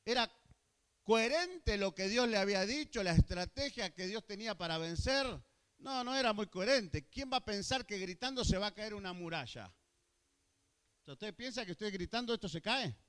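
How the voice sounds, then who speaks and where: A male pastor with an Argentine Spanish accent preaching a sermon to his congregation, asking them questions and building to loud, emphatic high peaks. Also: lively intonation, moderate pace, clean tone. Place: church hall.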